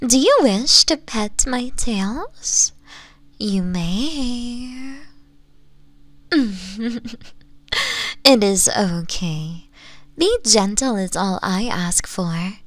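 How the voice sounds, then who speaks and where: A woman voicing a seductive, possessive nine-tailed fox woman in an ASMR roleplay, softly and often in whispers, gently commanding the listener. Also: mid-range voice, lively intonation, no echo. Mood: teasing, tender. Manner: soft, slow, often whispering, gently dominant.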